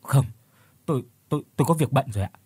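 A man's voice: medium pitch, expressive, fast talker, darkish tone, breathy edge, dry recording. A man voicing a terrified young male office worker who stammers and screams in panic in a spoken horror story. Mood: stammering fear.

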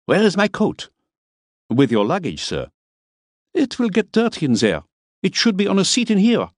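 A man voicing a thin, fussy older foreign gentleman who is impatient and prim about dirt, in an audiobook. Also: high-pitched, wildly swooping pitch, normal speed, no room sound, studio quality, pitched above the performer's own voice, heavily acted.

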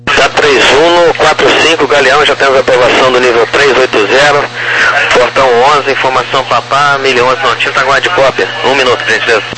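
A man with a Brazilian accent giving air traffic clearances in clipped, procedural phraseology over crackly radio. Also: mid-range voice, steady tone, brisk. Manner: clipped, procedural delivery with spelled-out numbers. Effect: crackly radio transmission. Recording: very noisy crackly airband radio.

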